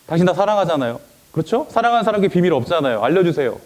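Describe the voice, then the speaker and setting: A man's voice: fairly high pitch, very animated, very fast, darkish tone. A man voicing a pleading, wheedling young woman in a Sunday school story. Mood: coaxing. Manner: wheedling, sulky.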